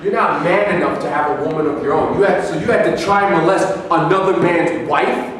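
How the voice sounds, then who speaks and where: A man's voice: on the high side, brisk, a bit bright, close to an everyday voice. A man acting in a staged reading as an aggrieved, accusing Arab man, arguing formally and rhetorically. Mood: angry, accusing. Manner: argumentative, rhetorical, formal wording. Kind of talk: staged play reading, declaimed debate dialogue. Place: live staged reading in a reverberant room, distant microphone. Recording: echoey hall from far off, faint noise.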